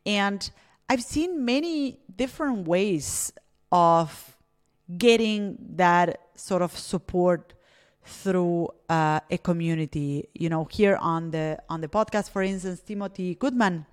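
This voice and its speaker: A woman's voice: on the low side, slow, clear, resonant tone. A woman from Argentina hosting a solo podcast, speaking reflectively with fillers and restarts. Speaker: podcast host.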